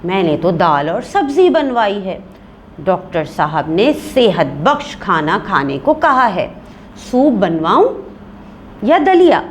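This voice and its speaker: A woman's voice: medium pitch, sing-song, takes it slowly, a little hiss or hum. A woman voicing a fussy, bossy wife of the house, reading a play aloud for a class. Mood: coaxing. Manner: bossy, scolding.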